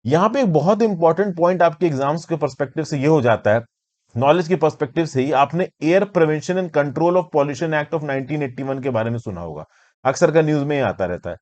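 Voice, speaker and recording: The recording is lo-fi, capturing a fairly high, expressive, darkish-toned voice moving at a brisk pace. An Indian-accented man who presents current affairs lessons lectures exam students conversationally and like a teacher, sprinkling in English terms and questions.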